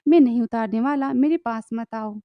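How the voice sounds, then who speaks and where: A woman's voice: a little high, normal speed, no echo, lo-fi sound, lightly acted. A woman voicing an embarrassed young man who protests and panics, read out in a drama recap. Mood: protesting.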